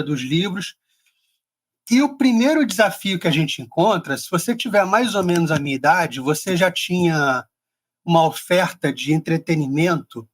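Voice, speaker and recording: A man with a Carioca accent hosting a podcast, chatting casually with many small restarts. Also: sits high. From Rio de Janeiro. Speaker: podcast host. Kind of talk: casual interview chat.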